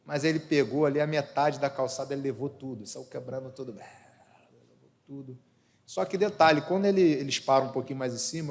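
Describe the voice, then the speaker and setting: A man's voice: on the high side, darkish tone. A male pastor, preaching a sermon with personal stories, rhetorical questions and humorous asides. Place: church. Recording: church hall reverb.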